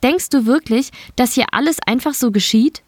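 A woman's voice: a little high, normal speed, husky, no echo, studio quality, pitched above the performer's own voice. A woman voicing a beaten young female prison guard who speaks bitterly and reproachfully in an audiobook. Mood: urgent. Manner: reproachful, pointed.

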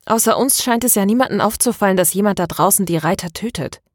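A woman's voice: mid-range voice, fast, no echo, clean studio sound, pitched above the performer's own voice, lightly acted. A woman voicing a passionate, stubborn young female student in an audiobook, indignant and emphatic. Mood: alarmed. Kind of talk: dramatized audiobook dialogue.

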